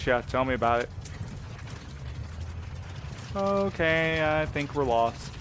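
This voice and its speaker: A man's voice: mid-range voice, animated, slow pace, a bit bright, slight background noise. Sardonic night courier played by a man, insects around. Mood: puzzled. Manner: wry, sardonic, informal. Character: wary, sarcastic male night courier. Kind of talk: naturalistic audio drama acting.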